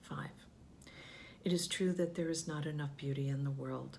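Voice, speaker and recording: Here a woman talks with a very deep, low pitch. There is a somewhat breathy quality to it. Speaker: real estate agent and poetry reader. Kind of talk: poetry reading.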